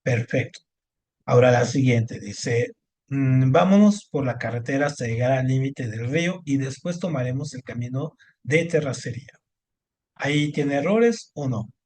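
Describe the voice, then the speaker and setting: A Spanish teacher runs an online spelling lesson over screen share, patiently and encouragingly correcting a student with lots of fillers. His voice is medium-pitched, expressive and a little mellow, at a normal speed.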